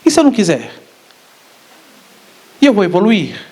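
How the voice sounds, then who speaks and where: A man's voice: high voice, normal speed. A man giving a spiritist public lecture, often asking the audience questions. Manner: asks the audience questions, animated.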